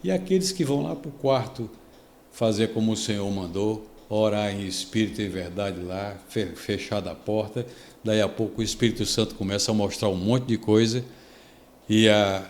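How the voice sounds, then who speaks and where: A Brazilian pastor with a fairly low voice tells stories on a devotional podcast, acting out the people he quotes. The room gives his voice a noticeable echo, with a faint hiss underneath. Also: moderate pace. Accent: Brazilian Portuguese. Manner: animated storytelling, acts out quoted speech.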